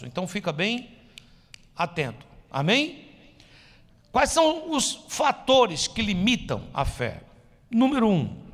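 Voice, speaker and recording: A man preaching a sermon as pastor, moving between emphatic lines and soft, hushed ones. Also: high voice, long reverb tail. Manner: emphatic preaching with sudden drops to soft, near-whispered lines. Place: church sanctuary.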